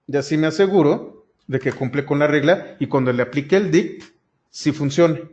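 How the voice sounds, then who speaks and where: The recording, dull and lo-fi, captures a male programming instructor talking straight to his students as he explains a coding lesson one step at a time on screen. He speaks at a normal speed in a higher-than-average voice with a darkish tone.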